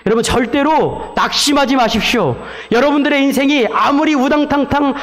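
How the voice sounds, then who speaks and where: A man pastor delivering a sermon in an animated, theatrical storytelling way, with sound effects and acted-out quotes. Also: very high-pitched, brisk.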